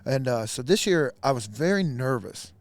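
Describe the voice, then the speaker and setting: A man's voice: medium pitch, animated, moderate pace, no room sound. A man, a musician guest, talking earnestly and emphatically in a casual backstage chat.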